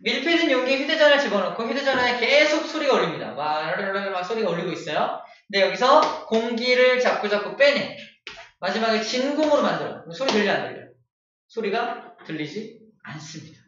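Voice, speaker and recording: Animated guy teaching class, kinda muffled, faint hiss behind. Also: high voice, fairly quick. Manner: playful, animated, acts out example voices. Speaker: middle school science teacher. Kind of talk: classroom lecture. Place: echoey classroom. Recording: dull, echoey from far off.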